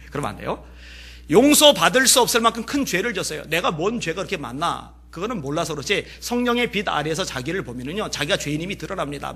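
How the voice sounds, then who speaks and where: Male pastor, sermon delivery, bright and husky, acts out the story's lines. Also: high voice. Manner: lively storytelling, acting out characters' lines.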